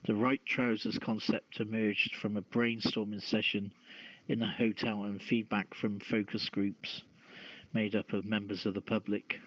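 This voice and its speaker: A man hosting a news podcast, reading stories aloud in a halting way with stumbles. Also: on the low side, little pitch movement, a bit bright, dry recording. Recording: dull lo-fi, dry close sound.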